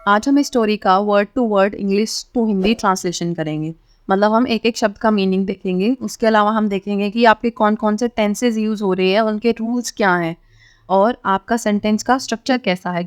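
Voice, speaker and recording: A woman's voice: mid-range voice, normal speed, no room sound, studio quality. A woman with an Indian accent teaching a language lesson step by step, in an instructional way with frequent short check-in tags. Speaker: English teacher, channel host.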